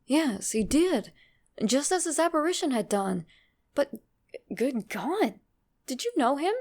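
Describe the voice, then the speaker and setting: A woman's voice: high-pitched, very animated, a little slow, a little mellow, pitched above the performer's own voice, exaggerated voice. A woman voicing an uneasy, formal man who recounts an uncanny apparition in a dramatic horror reading. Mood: agitated.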